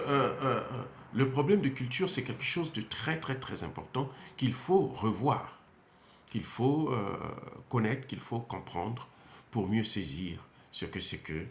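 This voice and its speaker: A low-leaning male voice with a Central African French accent gives an emphatic, improvised commentary marked by repeated phrases and frequent hesitations. There's a roomy echo plus a slight hiss or hum in the recording.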